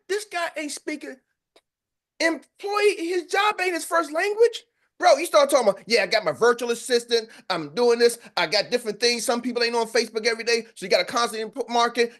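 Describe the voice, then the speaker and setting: A man's voice: very high voice, pushed and bright. An American man coaching a group call in a fiery, preacher-like motivational style, repeating lines for emphasis. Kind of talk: motivational pep talk.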